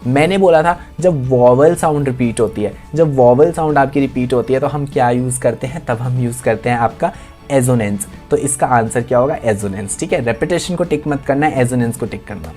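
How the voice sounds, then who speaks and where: A man's voice: mid-range voice, a little fast, mellow, soft background music. Man tutoring with repeated check-ins. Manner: quizzing students, repeats points, frequent check-ins. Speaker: online tutor. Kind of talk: exam-prep lesson.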